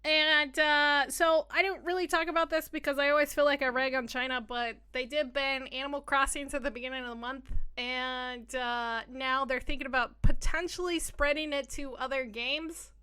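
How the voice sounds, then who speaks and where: Brief: young woman co-host, high and bright, sweary and playful banter. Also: normal speed, hardly any pauses. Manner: profane, playful, excitable. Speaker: podcast co-host. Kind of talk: casual chat.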